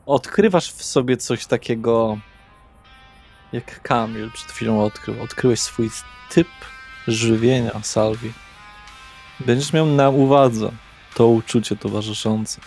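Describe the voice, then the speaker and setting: A man's voice: mid-range voice, slow, gravelly. A man running a horror tabletop game as game master, narrating atmospherically and dropping casual asides to the players. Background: soft guitar music.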